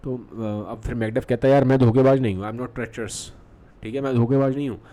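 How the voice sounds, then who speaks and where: A man's voice: medium pitch, fairly even intonation, dark tone. A male literature teacher explaining a play in a Hindi and English mix, checking in often with the class. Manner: reads quoted lines slowly with fillers, frequent "theek hai".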